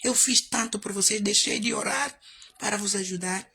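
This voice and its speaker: A woman's voice: medium pitch, moderate pace, pushed and bright, breathy edge. A woman pastor preaching, telling a story and repeating her points with emphasis. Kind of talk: storytelling sermon.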